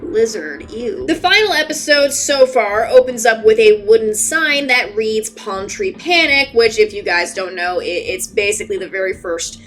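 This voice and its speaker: A woman's voice: fairly high pitch, animated, normal speed, few pauses, fairly bright tone, slight background noise. A woman narrating a video in a casual, sarcastic way, moving between scripted recap and informal, sweary commentary.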